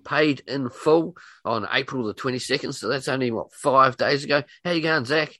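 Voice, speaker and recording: A man's voice: mid-range voice, a little fast, pushed and bright, no room sound, faint music behind. Laid-back man interviewing. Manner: chatty, laid-back, peppered with slang. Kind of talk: casual interview.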